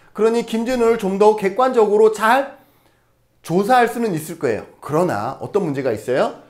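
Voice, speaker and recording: There is audible room echo as a man speaks with a high pitch. His intonation is lively and his pace moderate. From Korea, Jeju Island. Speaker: social welfare lecturer. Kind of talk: lecture. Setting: recorded in front of a camera. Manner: conversational, rhetorical questions.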